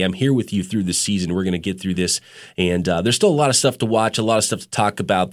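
A man hosting a sports podcast in casual talk, a bit stuffed up from a cold, candid and blunt. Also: lowish voice. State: stuffed up, a little sick. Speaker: podcast host.

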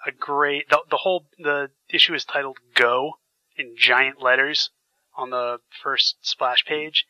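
A man's voice: mid-range voice, sharp tone, dry recording, muffled recording. A man hosting a podcast, chatting enthusiastically with frequent fillers while getting over a sinus infection. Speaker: podcast host. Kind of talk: casual podcast chat.

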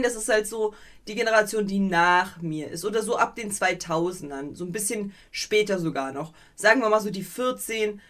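A woman co-hosting a podcast in casual chat, animated and rambling, with many fillers and a playfully mocking edge. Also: medium pitch. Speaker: podcast co-host.

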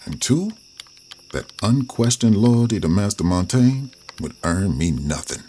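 Deep-voiced man narrating his past. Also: sing-song, unhurried, noisy background. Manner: reflective, storytelling drawl. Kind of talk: scripted first-person narration.

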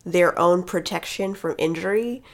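A woman's voice: lowish voice, moderate pace. A woman co-hosting a casual hockey chat, wry and chatty, often laughing.

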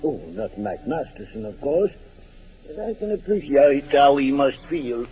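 Casting: wry old-timer doorman, higher-pitched and expressive, muffled vintage radio. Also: unhurried, vocal fry, slightly rough, full character voice. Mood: wry, friendly. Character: folksy, wry older stage doorman, former actor. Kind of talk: 1940s radio acting.

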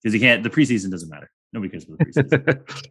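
A man's voice: lowish voice, very animated, racing, a bit bright, slightly rough. A young man hosting a sports podcast in casual chat, rambling and joking with crude humor. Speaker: podcast host.

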